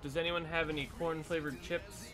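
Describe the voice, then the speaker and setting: A man's voice: fairly high pitch, fairly even intonation, normal speed, music in the background. A man from Pennsylvania with an American accent, chatting casually and playfully as he streams a video game. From Pennsylvania, United States. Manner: goofy, playful. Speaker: gaming streamer. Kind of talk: casual joking game chat.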